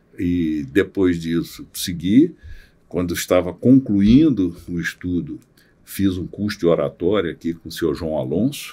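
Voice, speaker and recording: A man's very deep, low voice, dark and mellow in tone, with lively intonation at a fairly slow pace, on a very clean recording with a silent background. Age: 70s. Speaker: spiritist lecturer. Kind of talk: interview chat.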